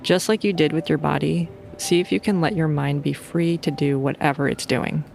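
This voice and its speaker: A woman's voice: sits low, steady tone, normal speed, vocal fry, a little mellow, soft background music. A woman leading a guided sleep meditation in an informal, playful and soothing way.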